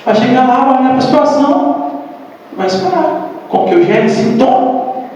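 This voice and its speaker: A man giving a public spiritual lecture at a spiritist center, animated, asking rhetorical questions and repeating key phrases. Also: very high-pitched, normal speed, lo-fi sound, slight background noise. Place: meeting hall of a spiritist center. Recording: echoey hall, voice from far off.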